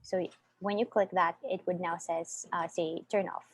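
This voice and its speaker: A woman with a Filipino accent leads an online voice lesson, her voice a little low and a faint hiss under the call audio. She talks patiently, with many fillers and restarts, and walks her student through settings one step at a time. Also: fairly even intonation, moderate pace. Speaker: online voice teacher. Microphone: video call.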